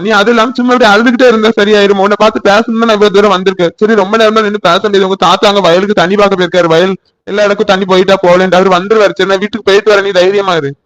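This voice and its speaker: A man's voice: sits high, a bit bright, dry recording. A man voicing a young village man comforting his sweetheart with a Tirunelveli Tamil accent, reassuring and coaxing.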